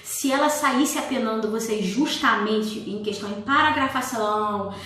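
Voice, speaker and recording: A woman's voice: fairly high pitch, moderate pace, fairly bright tone. A woman teaching a writing class on a casual livestream, chatty, with exasperated asides and mock quotes of her students. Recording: echoey room, distant from the mic.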